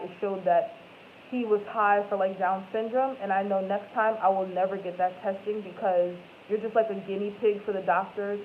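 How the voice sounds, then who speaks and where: A woman in her twenties chatting casually with viewers as host of a live stream, rambling and correcting herself as she goes. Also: medium pitch. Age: 20s. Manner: rambling, self-correcting, lots of "like" and "um". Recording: tinny phone-like audio with faint noise.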